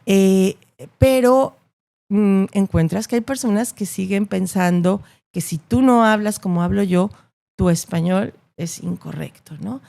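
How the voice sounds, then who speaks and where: A woman speaks as an interview guest, her voice carrying a gravelly, creaky texture. She makes her points thoughtfully and emphatically, often checking in with a quick "no?". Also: medium pitch, warm tone. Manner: thoughtful, emphatic, with frequent rhetorical "¿no?". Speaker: journalist guest. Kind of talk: podcast interview answers.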